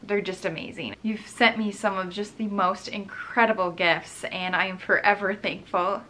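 A woman's voice: mid-range voice, fairly even intonation, normal speed, sharp tone, slight background noise. A woman in her thirties chatting casually in a family vlog, talkative and emotional, often close to tears. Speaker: family vlogger.

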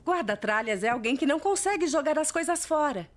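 An actress voicing a busy young mother in a Brazilian cartoon dub, patient and expressive, with a Brazilian accent. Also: sits high, brisk.

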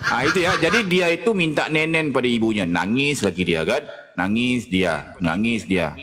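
A man's voice: medium pitch, lively intonation, normal speed, a loud crowd. A man holding forth in a mocking live-stream discussion, laughing often and taunting his listeners. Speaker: debater in an online faith discussion. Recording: echoey with loud background noise.

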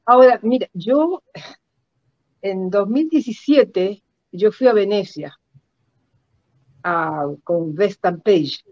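An older woman with a Chilean accent recounts personal stories reflectively in an interview, halting and repeating words for emphasis over a video call. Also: medium pitch, a little mellow, no echo. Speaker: guest performance artist. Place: indoor room at home. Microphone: computer mic on a video call. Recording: dull lo-fi video call audio.

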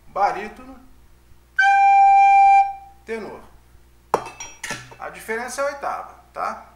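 A man giving a casual music lesson, chatty and often checking in with his listeners. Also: high voice. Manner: chatty, with frequent tag questions. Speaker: music teacher. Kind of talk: casual online lecture. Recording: roomy echo.

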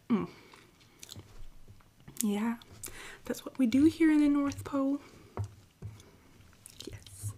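A woman playing a friendly, patient Christmas elf helper in an ASMR roleplay, speaking softly and breathily, often in a whisper. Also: on the high side, slight background noise. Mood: cheerful. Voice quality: soft, breathy, frequently whispering. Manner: gentle, encouraging, unhurried. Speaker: ASMR performer.

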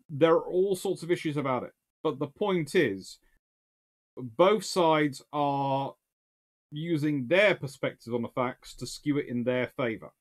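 A British man in his thirties, talking casually about history and politics in a small study, rambling with many restarts. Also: mid-range voice. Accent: British English. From United Kingdom. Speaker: naval historian answering viewer questions. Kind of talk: casual explanatory talk. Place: small study lined with bookshelves, indoors. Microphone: webcam-style framing at desk.

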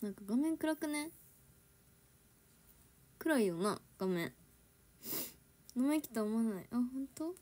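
A woman's voice: on the high side, animated, unhurried, pauses often, a little mellow. A young woman with a Kansai accent chatting casually with viewers on a livestream, giggling often and switching between standard Japanese and Kansai dialect. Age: young adult. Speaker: idol livestreamer. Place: home.

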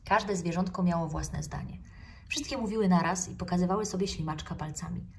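Brief: actress narrating a kids' book, measured and clear, lower voice, slightly distant mic. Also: female voice, slight background noise. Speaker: actress reading a children's book. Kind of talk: storybook reading aloud.

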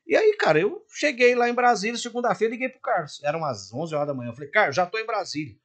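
A man's voice: sits high, fast. Older Mineiro man, podcast guest, raised voice with big swings, plays every part in his tale. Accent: Mineiro (Minas Gerais). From Minas Gerais, Brazil. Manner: animated, acts out every line of dialogue. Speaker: guest singer. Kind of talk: podcast storytelling.

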